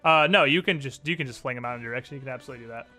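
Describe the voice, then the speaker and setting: A man narrating a tabletop role-playing game as game master, telling it deliberately and with suspenseful pauses. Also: mid-range voice, sharp tone, soft background music.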